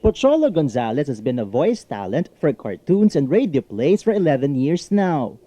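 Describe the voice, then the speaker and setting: A man's voice: fairly high pitch, big pitch swings, moderate pace, warm tone, no echo. A man with a Filipino accent reading scripted narration as a TV news reporter.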